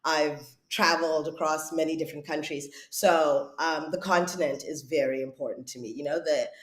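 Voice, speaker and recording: A woman's voice: low-pitched, fairly even intonation, moderate pace. Woman in an echoey room. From South Africa. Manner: thoughtful, searching for words. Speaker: guest, writer and director. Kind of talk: reflective conversational interview.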